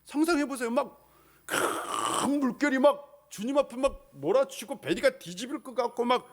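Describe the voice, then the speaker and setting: A man preaching a sermon as pastor of a church, animated and full of questions to the congregation, now and then shouting out dramatic lines. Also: very high-pitched, normal speed, vocal fry. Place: church sanctuary.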